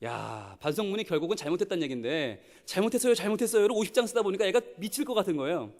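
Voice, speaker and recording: Lively high-voiced male pastor preaching. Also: rapid-fire. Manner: animated storytelling, acts out quoted voices. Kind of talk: sermon. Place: church sanctuary. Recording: long church hall reverb.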